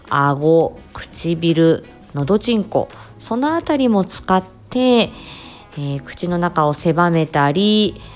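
A woman with a slightly low voice hosts a solo podcast. She talks slowly and explains things carefully, often pausing on filler sounds. Faint music plays behind her. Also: darkish tone. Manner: slow, explanatory, with frequent fillers. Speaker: podcast host. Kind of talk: casual solo podcast talk.

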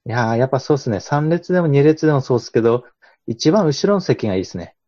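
A mellow, warm-toned man chatting casually as a podcast guest, easygoing and quick to laugh. His speech is relaxed and informal. The recording is dry and slightly dull. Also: mid-range voice, no echo.

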